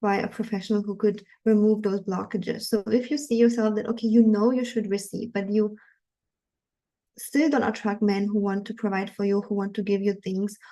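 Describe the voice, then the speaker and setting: Mellow-voiced woman coaching with earnest energy. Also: medium pitch, normal speed, rough recording. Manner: earnest, animated, frequent fillers. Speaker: dating coach. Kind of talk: live webinar talk.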